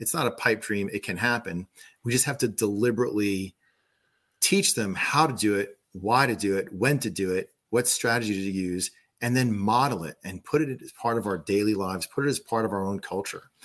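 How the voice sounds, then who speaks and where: In an ordinary speaking voice, a man talks at a fairly quick pace, fairly low in pitch with ordinary variation. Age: 50s. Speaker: leadership trainer and coach. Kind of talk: interview conversation.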